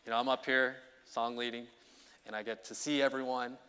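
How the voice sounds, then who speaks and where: A man preaching an informal midweek sermon as song leader, talking in a conversational, energetic way that keeps checking in with the congregation. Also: medium pitch, fairly quick, smooth. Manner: conversational, energetic, often checks in with "okay?" and "you know". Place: church sanctuary. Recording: long reverb of a church hall.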